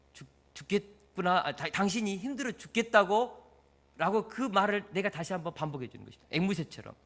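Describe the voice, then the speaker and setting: Bright-voiced preacher man. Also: mid-range voice. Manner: lively, asks the congregation questions and acts out example dialogues. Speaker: pastor. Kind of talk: sermon.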